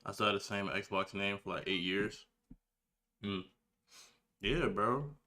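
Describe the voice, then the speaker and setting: This nineteen-year-old streamer, who games and makes reaction videos, takes it slowly in a fairly low voice that sounds pushed and bright. He's relaxed and slangy, chatting with viewers while getting set up.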